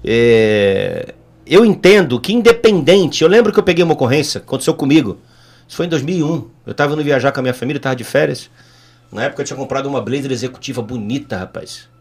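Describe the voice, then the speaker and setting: A man's voice: mid-range voice, expressive, fast, darkish tone. A middle-aged man, a former police officer and politician, telling stories bluntly and emphatically as an interview guest. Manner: emphatic, repetitive, blunt, storytelling. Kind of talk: casual interview storytelling.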